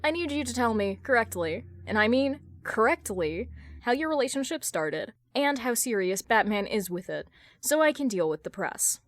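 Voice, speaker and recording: A woman voicing a sharp, judgmental businesswoman with a blunt, sarcastic, deadpan delivery in an audio fan-fiction drama. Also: a little high, normal speed, no echo, natural voice. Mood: exasperated, stern.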